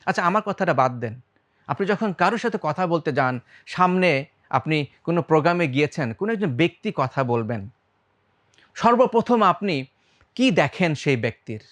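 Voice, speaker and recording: A man with a Bangladeshi accent teaching public speaking, quizzing his listeners and mixing English words into his talk. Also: fairly high pitch. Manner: quizzes the audience, shifts loudness and speed on purpose. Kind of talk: lively talk to the audience.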